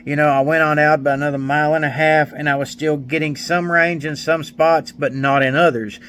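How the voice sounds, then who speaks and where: A man's voice: on the high side, flat delivery, a little fast, a bit bright. A man giving a casual hands-on gadget review in a folksy, plainspoken way with colloquial grammar. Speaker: product reviewer, mechanic.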